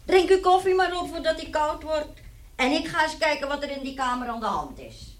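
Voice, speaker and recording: A woman's voice: high voice, lively intonation, a little fast, very noisy. A woman in a radio play playing a brash, nosy charwoman with a chatty, colloquial, fearless manner. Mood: miffed.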